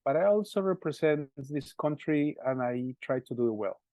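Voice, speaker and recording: A middle-aged man from Colombia, speaking English with a Colombian Spanish accent as a musician being interviewed. He talks haltingly, repeating words and restarting often. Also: fairly high pitch, lively intonation, a little mellow, dry recording. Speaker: musician guest. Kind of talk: interview answers.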